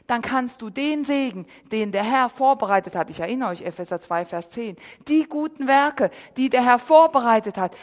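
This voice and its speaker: A woman pastor preaching a sermon in a church hall, talking with emphasis and swinging between loud and hushed. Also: fairly high pitch. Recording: reverberant hall.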